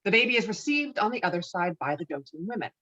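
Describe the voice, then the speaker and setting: A woman's voice: mid-range voice, lively intonation, fast talker, sharp tone. A woman reading scripted stage directions as narrator at a table read, slightly muffled as on a video call.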